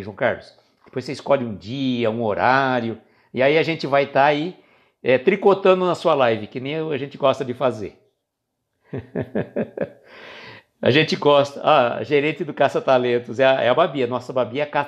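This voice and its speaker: Brazilian guy hosting a live, casual and chatty, medium pitched voice, talks right to the viewers. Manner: informal, chatty, addresses viewers by name. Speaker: host of a spiritist livestream. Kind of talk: casual livestream chat.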